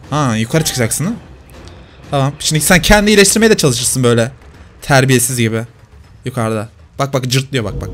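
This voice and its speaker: A man's voice: a little high, slight background noise. A man commenting live on his own gameplay, teasing the players he hunts.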